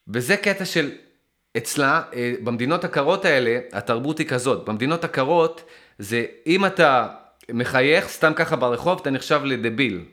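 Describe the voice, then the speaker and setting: A man from Israel talking straight to his viewers in a loose, thinking-aloud monologue. His voice is bright and forward at an ordinary middle pitch. He trails off and restarts often, then pushes his points with animated emphasis. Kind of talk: casual rambling monologue.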